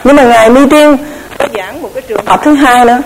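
Measured woman teacher. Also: a little high, crowd noise, poor audio. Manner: measured, explanatory, often repeats words while searching. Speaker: Buddhist Abhidhamma teacher. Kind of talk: recorded dharma lecture.

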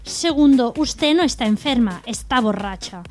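A woman co-hosting a radio humor show, reading jokes aloud in a brisk, even way. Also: fairly high pitch, soft background music.

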